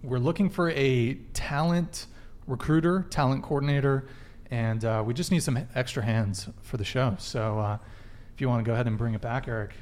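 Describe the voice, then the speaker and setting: A man's voice: mid-range voice, moderate pace, darkish tone. A man hosting a casual panel talk show, speaking in an offhand, loosely organized way.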